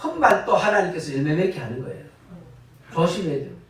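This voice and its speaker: A retired pastor, preaching a lively sermon full of laughing asides and sudden loud bursts. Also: male voice, on the high side, quick pace, gravelly. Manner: animated, laughing storytelling with sudden loud rises. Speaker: guest pastor. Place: church sanctuary. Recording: echoey church from far off.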